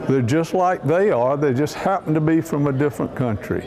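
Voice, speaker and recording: A man giving an earnest interview testimonial, pausing with hesitant fillers. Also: on the high side. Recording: recorded amid a crowd. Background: crowd.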